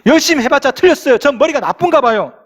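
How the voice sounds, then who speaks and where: A man's voice: very high voice, lively intonation, fast talker, voice pushed up. A man voicing a discouraged schoolboy son who plaintively calls himself stupid, with long hall reverb. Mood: whiny. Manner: plaintive, self-pitying.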